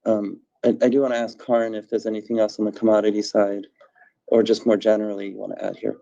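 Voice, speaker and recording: Low creaky man on a muffled call. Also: level tone, quick pace, dark tone. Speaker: company executive. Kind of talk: earnings call answer. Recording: muffled, band-limited conference call audio.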